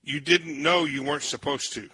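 A man's voice: fairly high pitch, steady tone, normal speed, sharp tone, slightly rough, dry recording. A male radio show host interviewing a guest in a chatty, friendly way, now and then tripping over names.

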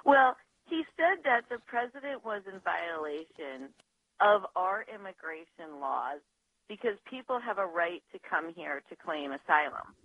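A woman lawyer, a guest on a radio show, talking over the phone in a measured, analytical way with some hesitations. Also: fairly low pitch, big pitch swings, fairly bright tone, no echo. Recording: dull phone line, dry.

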